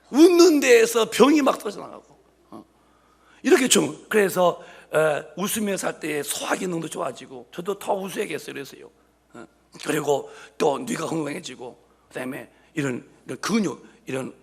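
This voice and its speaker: In a church sanctuary, a pastor in his late fifties delivers a humorous sermon, joking with the congregation in a high, lively voice that jumps up and down. His husky, gravelly tone is full of rhetorical questions and playful asides.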